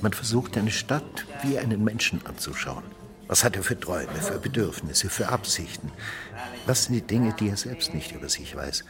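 A reflective theorist in a radio drama, musing aloud and growing a little flustered. His voice is very deep, with music clearly audible behind him. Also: lively intonation, moderate pace. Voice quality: thoughtful, slightly flustered. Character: musing male architect-psychologist.

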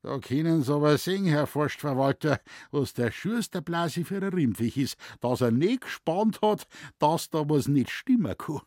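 A man's voice: a little high, animated, normal speed, hardly any pauses, a little mellow, no room sound, studio quality, natural voice. A man voicing a shrewd, earthy forest warden with a Bavarian accent and a guttural, folksy way of talking. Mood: sly.

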